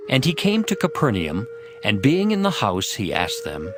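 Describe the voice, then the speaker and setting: A male narrator reads scripture as a dramatized story. His medium-pitched voice moves widely up and down in measured, expressive phrases. Music plays behind.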